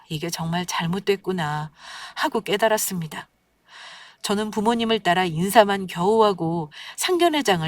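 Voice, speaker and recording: A woman's voice: mid-range voice, no room sound, far from the mic. Young woman narrating a story, dry sound. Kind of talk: scripted first-person story narration.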